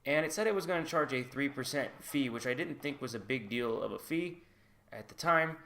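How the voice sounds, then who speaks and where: A man's voice: mid-range voice, expressive, fairly quick, creaky, fairly bright tone. A man talking casually to camera in his channel video, candid and hedging as he shares his own experience. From United States. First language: English. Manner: chatty and candid, hedging with "like" and "I guess". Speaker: vlogger.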